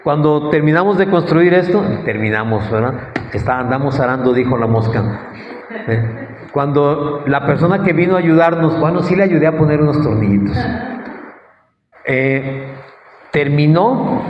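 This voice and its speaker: A man delivers an animated sermon, acting out the people in his stories. His voice sits fairly high for a man. The recording is dull and lo-fi, with a long, roomy church echo and faint noise behind him. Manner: animated preaching, acts out quoted dialogue. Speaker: pastor. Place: church sanctuary.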